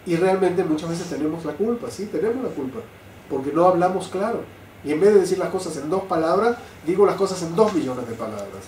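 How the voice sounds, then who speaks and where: An older man, a rabbi, giving a Torah class, lively and full of rhetorical questions. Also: a little high, brisk. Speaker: rabbi teaching. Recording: roomy sound, mic at a distance, faint noise.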